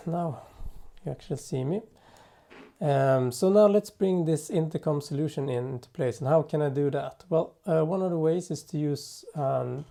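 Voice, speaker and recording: A man presenting an unscripted software tutorial in a halting way, thinking aloud as he works. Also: fairly high pitch, creaky. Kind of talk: unscripted software demo narration.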